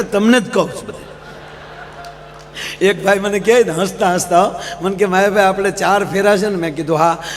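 A man telling folksy humorous stories on a live stage, often addressing the audience as sir. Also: sits high. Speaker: folk comedian. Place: large live stage program. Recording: reverberant live hall, faint mains hum.

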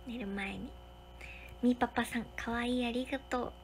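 A young woman, hosting a casual livestream from a hotel room and thanking viewers for their comments one by one, sometimes dropping to a soft whisper. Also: a little high, steady tone, a little fast, slight background noise. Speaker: livestream host.

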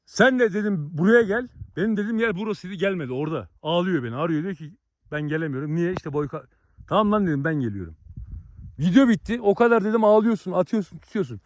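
A man scolds and boasts in a heated rant to his viewers. His voice sits high for a man. It is recorded close and dry, with no room sound. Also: lively intonation, fast, no echo. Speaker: vlogger.

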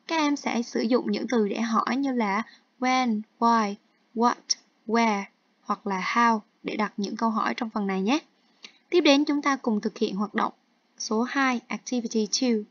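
A female English teacher walks through textbook exercises one step at a time in an online lesson, switching between Vietnamese and English terms. Her voice is a little high, with fairly even intonation and a measured pace. The recording is dull, dry and lo-fi, with no room sound.

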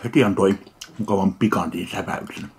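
Low gravelly finnish guy doing a deadpan food tasting vlog, slow dry remarks. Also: slight background noise. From Finland. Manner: slow, dry, deadpan commentary between bites. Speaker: food reviewer. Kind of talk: casual food tasting review.

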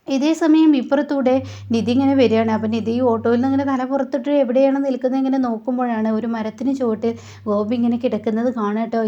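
A woman casually retelling a TV serial plot, chatty and tagging her sentences with a soft "you know". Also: a little high, muffled recording. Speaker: serial recap narrator.

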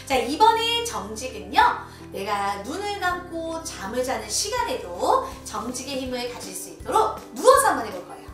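A woman teacher leading a children's lesson in a gentle, encouraging way and coaching slow breathing. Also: high-pitched, big pitch swings. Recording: echoey room, from a distance, soft music.

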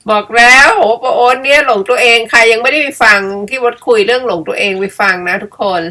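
A woman's voice: fairly high pitch, fast, sharp tone. A middle-aged woman chatting casually and playfully as she tells a story of her own, laughing at herself. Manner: chatty, self-mocking, laughs often. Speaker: storyteller and vlogger. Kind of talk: casual storytelling while editing pictures.

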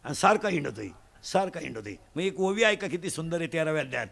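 A man from Maharashtra delivering a comic devotional sermon, animated, with loud bursts and mimicry of village folk. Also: on the high side, fast talker, gravelly. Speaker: kirtan preacher.

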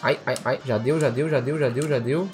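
A man with a Brazilian Portuguese accent talks through a video game run, quick and excitable. He fires off repeated exclamations in bursts. Soft game music plays under his voice. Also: mid-range voice. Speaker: gamer. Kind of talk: let's play commentary.

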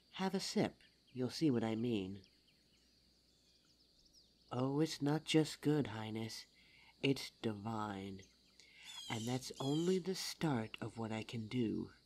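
In an intimate ASMR roleplay audio drama, a performer voices a suave, teasing demon lover who smooth-talks and addresses the listener formally. The pitch is medium and the tone darkish.

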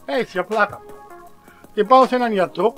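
A man with a notably high voice tells a story to his viewers in a casual vlog. He is dramatic and self-mocking, and he breaks into exaggerated outbursts. Faint music plays in the background. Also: a bit bright. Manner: addresses viewers directly, slangy and self-mocking. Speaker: vlogger.

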